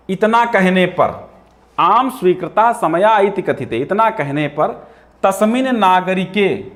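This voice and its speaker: A male teacher walking through a Sanskrit text line by line, repeating each phrase and adding playful asides. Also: high-pitched. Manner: animated, repetitive explaining with playful asides. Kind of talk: line-by-line Sanskrit lesson explained in Hindi.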